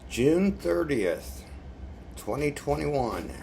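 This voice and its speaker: A man's voice: on the high side, very animated, extremely slow, creaky, mellow. A man chatting casually as a video blogger through an unboxing, with a wry manner and an irritated throat. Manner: wry, chuckling at own remarks. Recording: noticeable background noise.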